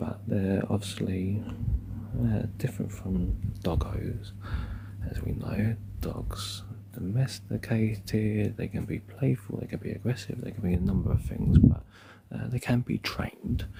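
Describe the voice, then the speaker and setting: Through noticeable background noise, a voice is whispering. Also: fairly slow pace. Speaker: husky owner and live streamer. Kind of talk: casual live stream chat.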